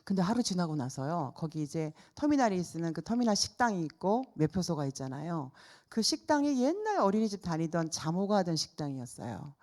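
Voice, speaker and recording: A middle-aged woman evangelist delivers her sermon as a vivid personal story. Her voice sits a little low. She acts out the people in the story with lively voices. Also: fairly quick, hardly any pauses. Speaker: evangelist preaching at a church service.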